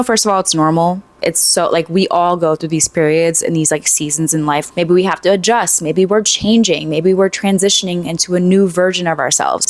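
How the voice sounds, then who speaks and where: Casting: low-pitched woman vlogger, late 20s, earnest and chatty, voice wearing thin, dry close sound. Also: no room sound. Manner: relaxed and earnest, with frequent "like" and "right?". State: losing her voice. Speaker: lifestyle vlogger. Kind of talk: casual advice monologue to camera.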